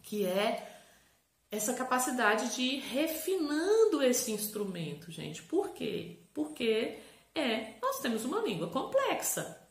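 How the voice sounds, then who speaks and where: A woman psychopedagogue gives a lesson in an animated, higher-pitched voice, stretching out syllables and spelling words letter by letter. Her voice bounces off a roomy space around her. She talks like a patient teacher explaining a subject. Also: slow pace. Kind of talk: educational explainer video. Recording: roomy echo.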